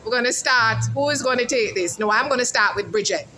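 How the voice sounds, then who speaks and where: A woman's voice: a little high, brisk, sharp tone, slight background noise, rough recording. A woman hosting a casual outdoor interview vlog, chatty and calling her viewers "guys". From Jamaica. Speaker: host. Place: outdoors at a mall food court.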